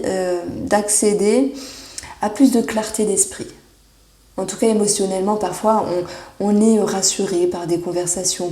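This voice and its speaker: A woman giving a monthly horoscope tarot reading, reassuring and often pausing with fillers as she searches for words. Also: mid-range voice, dark tone. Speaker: tarot reader. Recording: echoey room.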